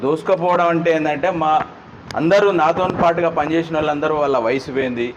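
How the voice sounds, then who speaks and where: Calm, fast-speaking man. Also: fairly high pitch, muffled recording, background noise. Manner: calm, explains his grievance. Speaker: interviewee, former public representative. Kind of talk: measured explanation in interview.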